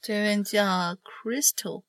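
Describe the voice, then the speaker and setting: A woman's voice: medium pitch, fairly even intonation, takes it slowly, no room sound. A woman co-hosting a chat show, chiming in with short playful reactions and reading a listener letter aloud. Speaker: co-host.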